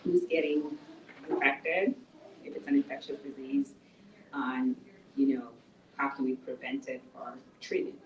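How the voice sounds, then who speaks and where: Brief: middle-aged woman, low voice, author talk, conversational, recorded from afar in an echoey room. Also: big pitch swings, unhurried, gravelly, recorded from a distance, muffled recording, a little hiss or hum. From Nigeria. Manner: conversational, explains plainly. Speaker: author and speaker. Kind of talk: book talk to a small audience.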